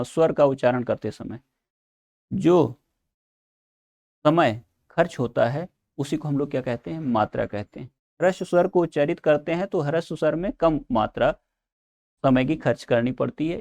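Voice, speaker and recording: Guy running an exam prep class, gravelly voice, asks a question then answers it himself. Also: a little high, a little mellow. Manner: explains step by step, asks and answers his own questions. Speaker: Hindi exam teacher. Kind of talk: online exam-prep lesson.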